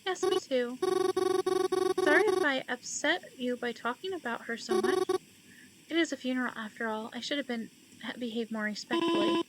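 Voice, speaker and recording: A woman voicing a calm young woman who attends funerals, speaking softly and consolingly. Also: sits high, normal speed, over loud music, poor audio. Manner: soft, consoling. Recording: loud background noise.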